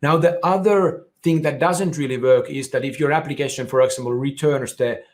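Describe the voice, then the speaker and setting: Man, Finnish accent, tech presentation, explains step by step, restarts phrases, average pitch. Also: normal speed. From Finland. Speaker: conference speaker. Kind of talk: technical presentation.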